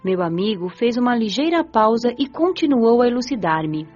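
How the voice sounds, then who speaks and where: A woman's voice: on the high side, very animated, normal speed, darkish tone. A Brazilian woman playing a compassionate young female spirit, narrating an audiobook in the first person in an earnest, reflective way. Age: young adult. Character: Patrícia, reflective, compassionate nineteen-year-old female spirit. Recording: dull lo-fi audio with music behind. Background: music.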